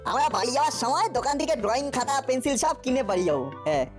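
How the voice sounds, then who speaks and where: A woman's voice: high-pitched, big pitch swings, rapid-fire, faint music behind. A woman voicing an eager, outspoken young cartoon pupil with a blunt, earnest manner.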